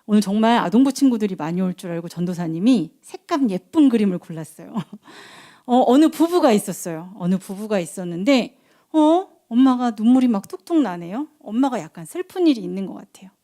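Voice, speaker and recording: A young woman preacher telling a Bible story to children in an animated way, asking them questions and acting out the voices. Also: mid-range voice, a little fast.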